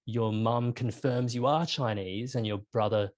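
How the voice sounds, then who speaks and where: A man's voice: mid-range voice, unhurried. Friendly Australian interviewer man. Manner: friendly and engaged, asking lively follow-up questions. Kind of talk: conversational interview.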